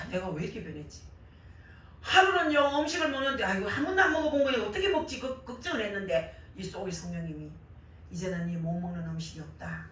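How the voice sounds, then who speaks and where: An older woman with a worn, hoarse voice and a Gyeongsang Korean accent, preaching with animated storytelling and acted-out remarks. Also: fairly high pitch. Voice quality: worn, hoarse voice damaged by years of crying out in prayer. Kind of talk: sermon with personal anecdotes. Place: church service, roomy indoor hall. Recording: very echoey church hall, distant mic.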